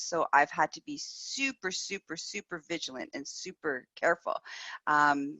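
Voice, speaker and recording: A woman host telling stories in a casual, candid, animated way, with playful emphasis and repetition. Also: on the low side. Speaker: host of a personal sex-life show. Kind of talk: casual chatty storytelling. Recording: roomy echo, slightly dull sound.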